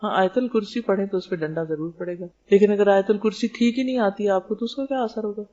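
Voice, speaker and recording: A woman's voice: mid-range voice, warm tone, highs cut off. A woman teaching a religious lecture, explaining terms and asking rhetorical questions. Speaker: Islamic teacher.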